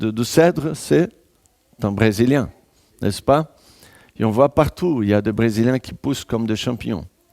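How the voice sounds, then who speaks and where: A man with a Brazilian accent and medium pitch has a dark, mellow tone, lively intonation and big swings in loudness. He leaves long, frequent pauses, in a dry, close sound with no echo. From Brazil (São Paulo state, Pirassununga). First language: Portuguese (speaking French). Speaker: pastor. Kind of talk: sermon. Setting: church. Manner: halting.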